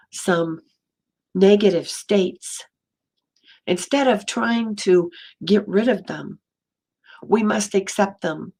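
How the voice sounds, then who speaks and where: A woman minister giving a gentle, storytelling sermon in a slightly hoarse voice, slowing and softening for emphasis. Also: on the low side. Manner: gentle storytelling, slows and drops to near whisper for emphasis. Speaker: interim minister. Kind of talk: sermon talk.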